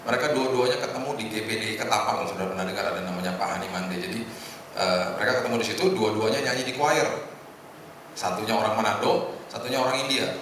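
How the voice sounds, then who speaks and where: Middle aged guy preaching, jokey and chatty, lowish voice, super echoey noisy hall. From Indonesia. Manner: conversational, jokey, pauses with hesitations. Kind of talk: informal sermon to a congregation. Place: large echoing indoor hotel hall. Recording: echoey hall, distant mic, noisy room.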